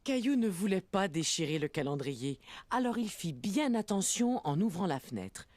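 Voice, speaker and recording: A woman's voice: on the low side, big pitch swings, moderate pace, darkish tone, dry recording. A woman playing a kindly storyteller, narrating a children's cartoon for small children. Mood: storytelling.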